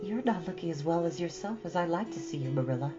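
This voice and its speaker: A woman's voice: on the low side, animated, fast talker, dull audio, over music, pitched above the performer's own voice, natural voice. Woman voicing an eager, earnest storybook teenage girl. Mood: tender, caring. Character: eager, bright teenage girl, hopeful and tender. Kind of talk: expressive storybook reading.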